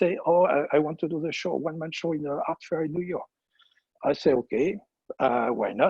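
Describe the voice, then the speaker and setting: A man speaks at a moderate pace in a fairly high voice with ordinary pitch variation. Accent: French. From France, Orléans. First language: French. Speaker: painter. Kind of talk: interview. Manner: halting.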